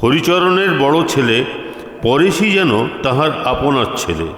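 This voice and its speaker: A man reading a literary story as narrator, with formal, deliberate phrasing. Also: medium pitch, animated, fairly bright tone. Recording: echoey, long reverb, music behind. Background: music.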